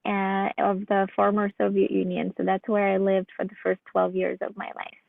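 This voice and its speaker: A psychologist guest from Ukraine answers questions earnestly, pausing on fillers as she reflects. Her voice has a gravelly fry, and it comes through a tinny, phone-like line that sounds dry and close. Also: medium pitch, completely flat delivery, no echo. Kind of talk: casual interview answers.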